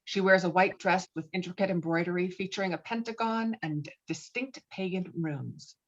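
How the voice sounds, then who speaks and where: A woman's voice: fairly low pitch, normal speed. A woman reading stage directions as narrator of a screenplay table read, on slightly muffled online call audio.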